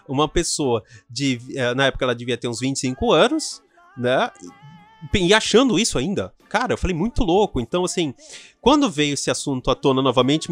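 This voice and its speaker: A Brazilian man, a sex coach, hosting a podcast in a casual, animated monologue that keeps checking in with the listener. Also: on the high side. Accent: Brazilian Portuguese. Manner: animated, chatty, often checks in with "né?" and "certo?".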